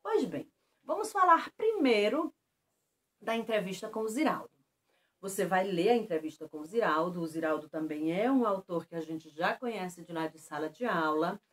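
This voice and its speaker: Lively woman teaching children. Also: on the low side. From Brazil. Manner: lively, slow and emphatic on example words. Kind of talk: remote lesson for children.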